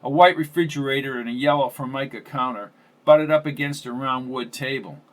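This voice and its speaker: A man reading thriller narration in a steady, measured way. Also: mid-range voice. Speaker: audiobook narrator.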